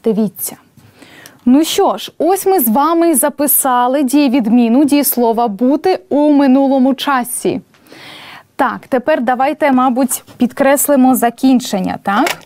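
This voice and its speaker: A woman teaching a language lesson at a board, explaining patiently and spelling out examples slowly. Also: high voice, darkish tone, no room sound.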